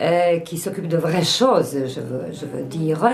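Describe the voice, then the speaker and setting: A woman's fairly low voice with a Serbian accent, amid noticeable background noise and audible room echo. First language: Serbian (speaking French). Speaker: guest commentator. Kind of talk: casual chat. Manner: halting, many fillers.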